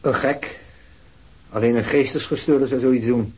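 A man's voice: medium pitch, steady tone, measured pace, darkish tone, a little hiss or hum, close to an everyday voice, poor audio. A man playing a curt, guarded executive. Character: cool evasive male company executive. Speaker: business executive. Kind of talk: Dutch radio play acting.

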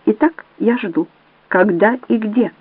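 A cold, steely male agent makes short, demanding statements, as read by a woman narrator. The pitch stays level and even. The sound is dry and thin, like a phone call. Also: takes it slowly, husky, no echo. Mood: cold interrogation. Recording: dry, tinny phone-like audio.

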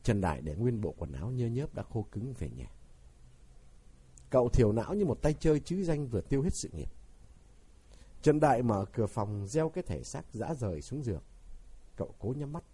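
Husky, mellow male audiobook narrator. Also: medium pitch, big pitch swings, normal speed, long pauses.

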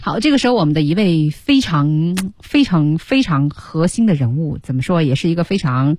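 A woman co-hosting a radio English lesson, chatty and adding comments in a slightly husky voice. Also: low voice, animated, moderate pace, a little mellow. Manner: chatty, adds comments and points out sound links. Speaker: co-host teacher.

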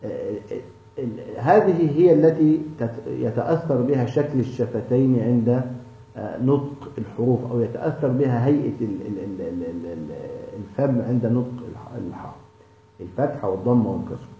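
A man teaching tajweed in a class session, answering a student with many halting restarts. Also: medium pitch. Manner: hesitant, with many restarts and drawn-out fillers. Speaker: Quran recitation teacher. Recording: echoey, dull lo-fi room recording.

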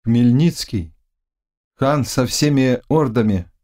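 A man's voice: medium pitch, a little mellow, close to an everyday voice. Exhausted young hussar, weak and clipped, played by a male reader. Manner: weak, halting, terse answers.

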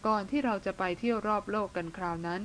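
A woman's voice: mid-range voice, fast talker, slight background noise, close to an everyday voice. A woman reading the part of a bearded older brother who speaks bluntly and teases his younger sister. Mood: teasing. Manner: blunt, teasing, plain-spoken. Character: teasing bearded older brother, blunt but tender man.

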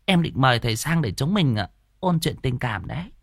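A man voicing a fat, jealous middle-aged woman who sells tripe porridge, shrill and scolding. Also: sing-song, brisk, vocal fry, slightly rough, no echo, clean studio sound, full character voice. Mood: flirty.

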